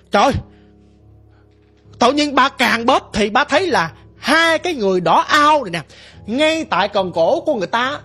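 A woman's voice: sits high, a bit bright, breathy edge. A woman narrating a ghost story in first person, vivid and emphatic.

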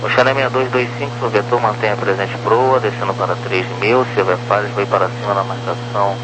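Low-voiced male controller on crackly radio. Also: steady tone, fast talker. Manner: clipped procedural instructions, numbers read digit by digit. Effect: crackly aviation radio. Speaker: air traffic approach controller. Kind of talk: radio air traffic control phraseology. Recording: crackly humming aviation radio transmission.

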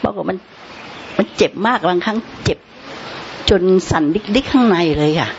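A woman's voice: medium pitch, animated, normal speed. A woman meditator asking her teacher a question, hesitant and polite, searching for words. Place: meditation retreat hall. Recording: dull sound with faint hiss.

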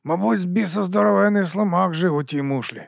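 A man's voice: sits high, brisk, vocal fry, dry recording, clean studio sound, voice pushed up. A man voicing a self-assured guard sergeant who talks like a know-it-all. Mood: confident.

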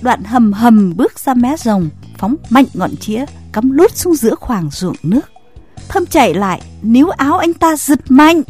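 A woman narrates a story, her voice breathy and husky yet lively in pitch. Gentle music plays faintly behind her reading. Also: a little slow.

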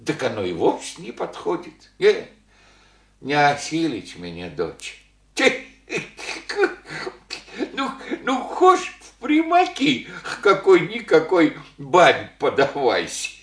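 An actor playing a humble, elderly widowed village father who speaks in halting rustic phrases full of fillers. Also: a little high, huge pitch swings, reverberant, heavily acted. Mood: rambling. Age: older. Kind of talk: archival Soviet radio play acting.

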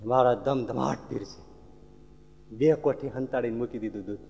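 A male preacher telling devotional stories in an animated way, acting out the characters and speaking directly to his audience. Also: medium pitch, normal speed, vocal fry. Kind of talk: devotional storytelling sermon. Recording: long hall reverb.

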